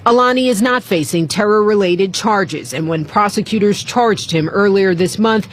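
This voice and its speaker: An American-accented woman reads a scripted news report as a correspondent. Her pitch is average, with faint ambient vehicle noise behind her. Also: normal speed.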